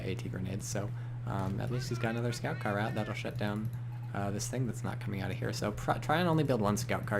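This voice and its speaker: A young man with a fairly low voice commentates a strategy game match, wandering off into jokes and asides. His delivery jumps into excited bursts when fights break out. The recording carries a steady layer of background noise. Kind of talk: casual video game commentary.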